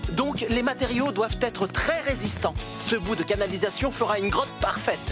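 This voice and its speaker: A man plays a friendly cartoon builder leading his crew. He sounds patient and encouraging as he explains the job, with clear music behind him. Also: high-pitched, moderate pace, natural voice. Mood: reassuring. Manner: reassuring, encouraging. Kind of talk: French children's cartoon voice acting.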